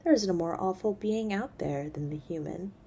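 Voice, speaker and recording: Audio roleplay villain: centuries-old demon mother, played by a woman, lowish husky voice, regal, scornful, threatening. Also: normal speed, dark tone. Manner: imperious, mocking, menacing. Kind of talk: scripted audio roleplay acting.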